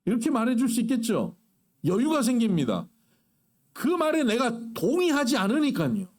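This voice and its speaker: Lively, animated preacher. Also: male voice, very high-pitched, moderate pace. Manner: animated, acts out quarrels in character voices. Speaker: pastor. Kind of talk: sermon.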